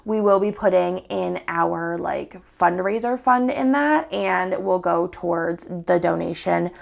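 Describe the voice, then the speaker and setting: A woman's voice: on the low side, a little slow, vocal fry. A young woman, chatty and upbeat, showing off new sticker products while sniffly from a cold. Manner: chatty, upbeat, walks through items one by one. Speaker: sticker shop owner. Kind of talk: casual product showcase.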